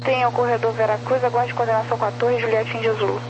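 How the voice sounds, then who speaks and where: A woman's voice: a little high, level tone, fast talker. A woman working as an air traffic controller, giving procedural instructions over aviation radio. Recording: very noisy humming radio transmission.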